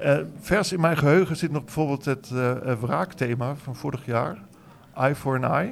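A man has a plain, everyday voice at a fairly high pitch. He keeps a moderate pace with ordinary pitch variation. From Germany. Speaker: film festival organiser. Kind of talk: live interview. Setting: stage with audience.

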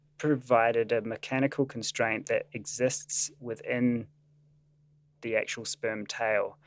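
Speaking very slowly with long, frequent pauses, a man with a New Zealand accent and a medium pitch comes through dry and close with no echo. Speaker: scientist and animator. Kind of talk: interview.

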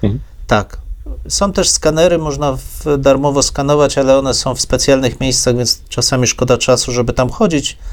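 A man speaks in a plain, everyday voice, fairly high in pitch, with ordinary pitch variation at a moderate pace. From Poland. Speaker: historian, podcast co-host, professor. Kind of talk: casual chat.

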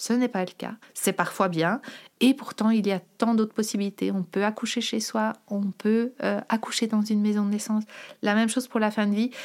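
A woman's monotone, flat delivery at a moderate pace and a fairly high pitch. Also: very clean recording, silent background. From Brussels, Belgium. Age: 60s. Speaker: founder of a community housing project, caregiver. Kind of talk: interview monologue.

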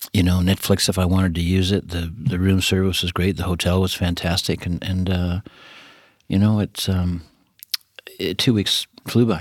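Very deep, low male voice with a Canadian accent, monotone, flat intonation, a moderate pace and long, frequent pauses. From western Canada (British Columbia coast). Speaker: cancer patient. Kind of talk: interview.

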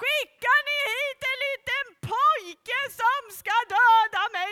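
This woman uses a put-on character voice. Her pitch is extremely high. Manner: mocking, mean.

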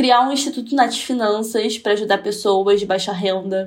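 A woman's fairly high voice at a moderate pace, fairly even in intonation, with noticeable background noise. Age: 20s. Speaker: financial educator and content creator. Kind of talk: casual interview.

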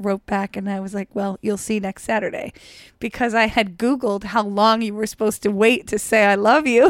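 In a very clean recording with a silent background and a dry, close sound with no echo, a woman with an American accent speaks at a medium pitch in an unremarkable speaking voice. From central New York. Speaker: comedian. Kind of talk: reading aloud. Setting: at home.

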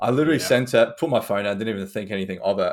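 Speaking very fast with an Australian accent, a man comes through on a very clean recording with a silent background. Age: 20s. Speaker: coach. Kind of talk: casual chat.

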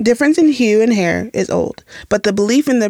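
A woman's dark, mellow voice in an American accent, at a moderate pace with ordinary pitch variation, in a very clean, dry, close recording with a silent background and no echo. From US Pacific Northwest, Tacoma. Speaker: educational specialist for foster youth. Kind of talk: casual roundtable discussion.

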